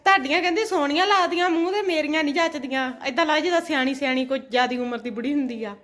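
Woman, high-pitched, dramatic exclaiming, plaintive, casual home vlog chat. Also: racing, a bit bright. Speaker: family vlogger.

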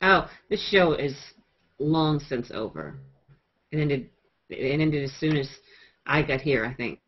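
Female co-host, fairly low voice, deadpan, teasing, muffled video-call sound. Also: a little slow, breathy edge. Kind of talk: casual group video chat.

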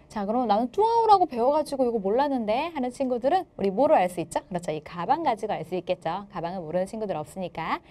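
A woman teaching an exam-explanation lecture, lively and playful, joking with her students. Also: medium pitch.

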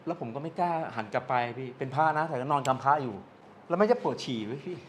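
A man's voice: mid-range voice, quick pace, slight background noise. A man animatedly retelling a spooky experience in casual talk, with vivid sound effects. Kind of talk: casual storytelling.

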